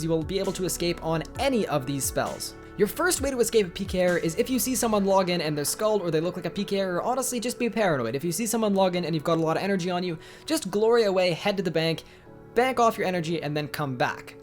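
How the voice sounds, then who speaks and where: A man's voice: high-pitched, expressive, fast talker, faint music behind. A man hosting a video game guide voice-over, slightly congested, upbeat and chatty with his viewers. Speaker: gaming guide host.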